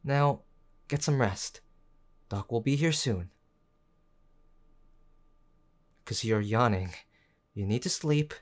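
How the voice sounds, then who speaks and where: A man playing a gruff but tender tsundere boyfriend in an intimate audio roleplay, speaking in a halting, earnest way. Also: mid-range voice, animated, close to an everyday voice. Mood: soft, teasing. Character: gruff young tsundere boyfriend, worried, stubborn, tender underneath.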